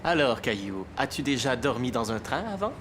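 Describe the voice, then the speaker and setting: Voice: medium pitch, very animated, normal speed, background noise, close to an everyday voice. An actor playing a kindly, playful male train conductor who reassures a child in a children's cartoon. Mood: friendly. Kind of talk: animated children's cartoon acting.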